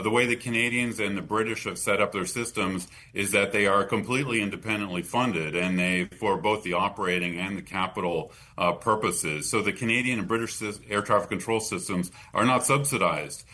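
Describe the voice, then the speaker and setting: Bright, forceful North American man explaining policy. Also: fairly low pitch, fairly quick, hardly any pauses. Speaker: policy expert guest. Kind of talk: interview answers, explanatory.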